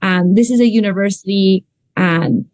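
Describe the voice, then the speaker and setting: A woman's voice: medium pitch, moderate pace, a little mellow, no echo, low-quality recording. A woman from Ecuador speaks as a clinical psychologist presenting in an online seminar. Her delivery is conversational, with um fillers and restarts. The sound is dry and close. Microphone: video call.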